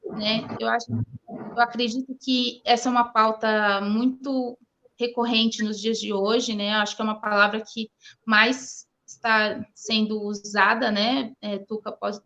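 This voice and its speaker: A woman with a Brazilian accent speaking as an interview guest, conversational and halting, often stumbling over her words. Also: fairly high pitch, little pitch movement, bright, forceful tone. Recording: dull, lo-fi online audio.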